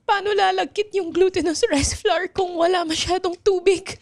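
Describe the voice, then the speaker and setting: A woman's voice: extremely high pitch, steady tone, normal speed, gravelly. A woman playing an eager, sentimental, polite young daughter in an improvised radio drama. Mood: anxious. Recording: loud background noise.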